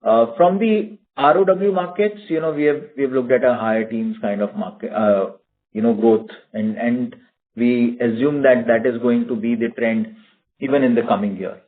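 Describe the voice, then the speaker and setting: Indian-accented male executive on a phone line. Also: mid-range voice. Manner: halting, frequent "you know". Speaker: company executive answering analyst questions. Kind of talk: earnings call answers. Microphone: conference phone call. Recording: narrow tinny phone-line audio.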